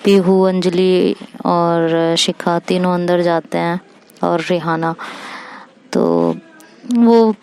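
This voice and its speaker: A woman narrating a story in a chatty, conversational way with quick asides. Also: lowish voice, animated, darkish tone, smooth. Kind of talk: casual spoken storytelling.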